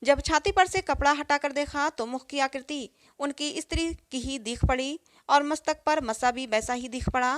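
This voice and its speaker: A woman with a high voice narrates a moral story, recorded close and dry. She reads every character in one even storytelling voice. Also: normal speed, dry recording.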